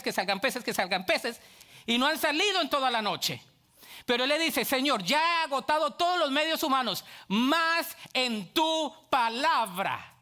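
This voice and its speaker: A middle-aged man preaching a sermon, lively, acting out the voices of churchgoers. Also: very high voice. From Colombia. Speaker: pastor.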